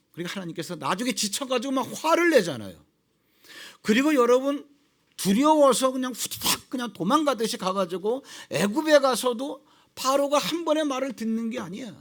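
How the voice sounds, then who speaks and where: A middle-aged man preaching a sermon as pastor, acting out dialogues and dropping suddenly to low, quiet tones.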